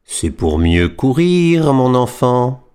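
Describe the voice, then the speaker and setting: A woman voicing a sly male wolf in disguise, speaking slowly with a drawn-out, menacing manner. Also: a bass voice, big pitch swings, warm tone, smooth, voice pushed down, exaggerated voice.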